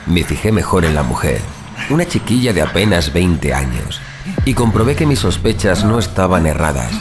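A man's voice: low voice, sing-song, moderate pace, noisy background. A man playing a sadistic, darkly gleeful young vigilante killer who narrates a horror audio drama in a savoring, sardonic, literary way. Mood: brooding, menacing.

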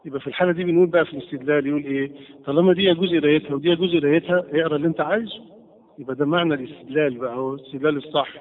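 Fast-talking Egyptian sheikh on a tinny recording. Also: male voice, on the high side, steady tone. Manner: quizzes the class with repeated questions. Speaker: religious teacher. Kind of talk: classroom lesson with questions.

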